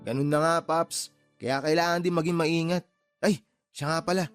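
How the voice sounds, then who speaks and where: Man doing a joking sidekick, higher voice, teasing, boastful, radio drama, music underneath. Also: steady tone, moderate pace, natural voice. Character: joking loyal younger male buddy, playful.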